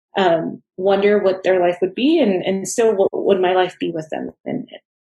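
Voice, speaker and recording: A woman speaks at medium pitch with ordinary pitch variation, a dark, mellow tone and vocal fry. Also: moderate pace, big swings in loudness. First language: Spanish. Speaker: grief support social worker. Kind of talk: podcast interview.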